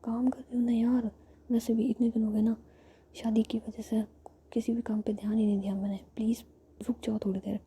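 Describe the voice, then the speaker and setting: A woman's voice: a little high, little pitch movement, brisk, mellow, slightly rough. Woman whispering as a flustered young bride. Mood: pleading. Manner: whispered, pleading and exasperated. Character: young woman torn between work and her partner.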